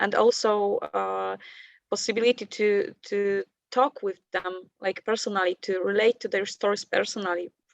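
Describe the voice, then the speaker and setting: A woman with a non-native accent speaks at a moderate pace. The recording is dry and close, with no echo. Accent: non-native English, imperfect. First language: Polish. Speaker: course participant. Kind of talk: interview. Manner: halting, many fillers.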